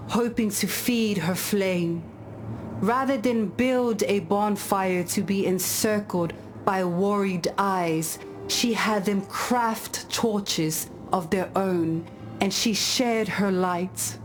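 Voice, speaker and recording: Woman playing a slow, solemn tribal storyteller. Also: medium pitch, soft background music, lightly acted, rough recording. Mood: solemn, reverent. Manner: measured, grave, deliberate storytelling delivery. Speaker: game character storyteller. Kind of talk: scripted storytelling of parables.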